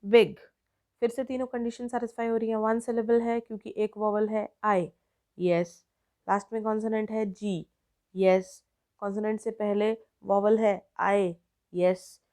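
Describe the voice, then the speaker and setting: Woman, Indian accent, grammar teacher, slow deliberate explanation, mellow tone. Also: medium pitch, level tone. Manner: slow, drawn-out word-by-word explanation, mixing Hindi and English. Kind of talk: online grammar lesson.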